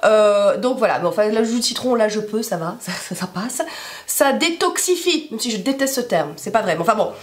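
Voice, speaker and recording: A woman with a hoarse smoker's rasp being sick, chatting casually to camera in a rambling, self-deprecating way full of asides. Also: medium pitch, expressive, fairly quick. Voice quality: raspy smoker's rasp from illness. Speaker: YouTube vlogger.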